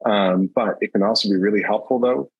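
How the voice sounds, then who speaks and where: A man speaking as a podcast guest in a measured, explanatory way. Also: lowish voice, slightly rough, no echo, dull audio. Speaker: podcast guest, industry advisor. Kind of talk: conversational panel discussion.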